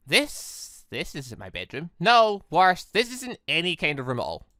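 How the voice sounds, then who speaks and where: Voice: mid-range voice, huge pitch swings, a little slow, pushed and bright, no room sound, studio quality, heavily acted. A narrator voicing a bewildered, anxious young man in a visual novel, hesitant and dramatic. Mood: confused, alarmed.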